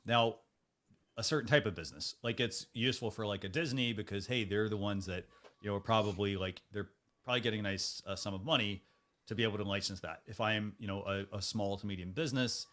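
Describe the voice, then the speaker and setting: A man's voice: fairly low pitch, quick pace, fairly bright tone. A man hosting a casual panel discussion, talking in an informal, rambling way. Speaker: talk show host.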